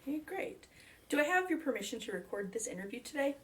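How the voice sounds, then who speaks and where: A woman's voice: high-pitched, big pitch swings, fast, fairly bright tone. Woman librarian conducting an interview. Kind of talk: oral history interview.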